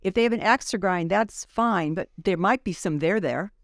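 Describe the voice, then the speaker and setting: A woman's voice: mid-range voice, normal speed, no echo, clean studio sound. A woman guest explaining at length in casual chat, with asides and self-corrections. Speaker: guest, former grand juror.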